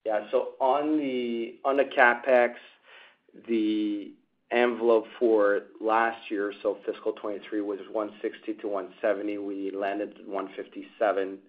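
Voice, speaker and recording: Low-voiced executive on a phone line. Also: male voice, flat delivery, measured pace. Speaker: company executive answering analysts. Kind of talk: earnings call answers. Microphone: telephone conference line. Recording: narrow, tinny phone line.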